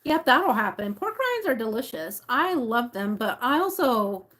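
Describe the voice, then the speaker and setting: On her relaxed livestream, a woman with roots in Mexico and the rural Southwest reads labels aloud and responds to viewers. Her fairly high, slightly bright voice swings widely in pitch, and she speaks unhurriedly while musing aloud in a chatty way.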